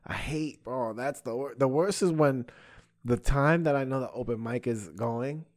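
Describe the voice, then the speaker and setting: A man's voice: medium pitch, moderate pace. A man in his thirties chatting casually as a podcast host, rambling in profane, slangy talk. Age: 30s. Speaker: podcast host and stand-up comedian. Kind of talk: casual chat.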